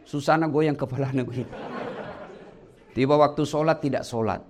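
A middle-aged man preaching a joking, animated sermon to office workers and addressing them directly. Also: medium pitch, normal speed. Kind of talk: lively workplace sermon.

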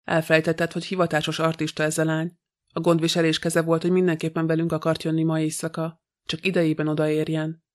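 A man voicing a polite, fussy elderly detective in a flat, even reading. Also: a little high, natural voice. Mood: urgent.

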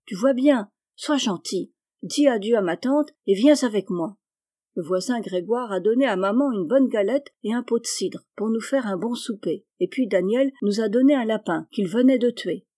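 A woman reading aloud, voicing a kind, patient young boy who coaxes and reasons gently. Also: on the high side, normal speed, natural voice. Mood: coaxing. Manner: coaxing, earnest pleading. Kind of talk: audiobook reading.

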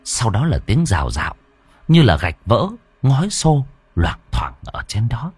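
A man's voice: wildly swooping pitch, a little slow, a little mellow, breathy edge, no echo. A man narrating a ghost story dramatically. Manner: dramatic, swinging pitch.

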